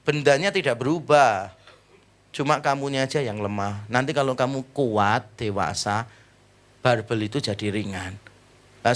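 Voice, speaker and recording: A middle-aged man preaching a sermon as pastor, lively and joking, shifting between loud exclaims and slow, quiet emphasis. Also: medium pitch.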